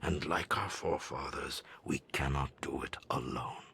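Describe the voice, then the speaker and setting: An actor playing a grave, solemn old tribal elder in a game, with a gravelly, breathy voice and weighty delivery. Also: male voice, very deep voice, bright, forceful tone, heavily acted. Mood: solemn regret. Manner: slow, weighty, portentous. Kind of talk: solemn dramatic game cutscene monologue.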